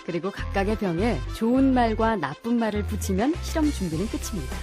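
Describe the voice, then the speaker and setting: A woman announcer narrating a documentary in a calm, polished, scripted delivery. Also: medium pitch, a little fast. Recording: music playing behind.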